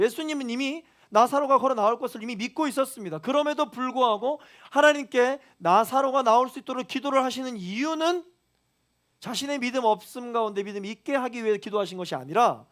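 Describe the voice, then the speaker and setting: A man's voice: very high-pitched, a bit bright. A male pastor preaching a sermon to a young adults' congregation, building emphasis as he goes. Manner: preaching with rising emphasis and quoted prayers. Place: church youth hall.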